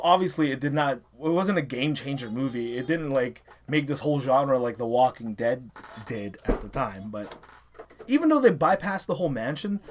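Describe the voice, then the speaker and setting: Here an online review host and keen fan, a man roughly in his thirties or forties, runs through a countdown with relaxed, opinion-heavy remarks. His pitch sits in the middle range.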